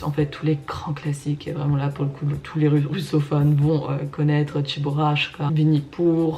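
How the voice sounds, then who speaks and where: A woman's voice: low-pitched, dark tone. A woman in her twenties telling her own story in a chatty, casual way, with lots of fillers and bursts of emphasis. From Germany and France, Russian-Canadian. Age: 20s. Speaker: vlogger.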